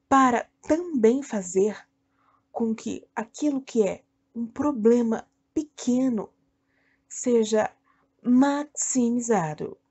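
A Brazilian woman leading a guided meditation in a soothing, deliberate way, speaking in short phrases with long pauses. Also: a little high, warm tone, husky, dull audio. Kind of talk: guided meditation, self-hypnosis narration.

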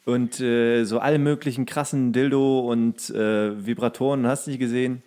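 A man's voice: medium pitch, steady tone, moderate pace, dark tone. A man telling anecdotes in casual, comedic podcast chat, rambling, correcting himself and acting out remarks. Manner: rambling, self-correcting, acts out quoted remarks. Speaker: podcast co-host.

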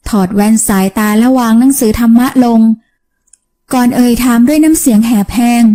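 A woman reads a romance novel aloud as an audiobook narrator. Her telling is gentle and even, her voice mellow and a little high. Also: moderate pace.

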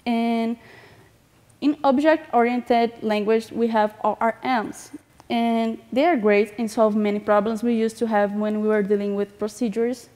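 A woman's voice: fairly high pitch, mellow. A young woman from Brazil with a Brazilian Portuguese accent, giving a conference talk in a large hall, earnest and a little nervous, with frequent "um"s. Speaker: conference speaker.

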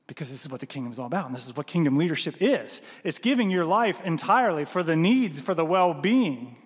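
Speaking through a headset mic in a big church hall that rings with long reverb, a man in his thirties preaches with real animation. His pitch is notably high for a man, his gestures are broad, and he often tosses in "right?" to check with listeners.

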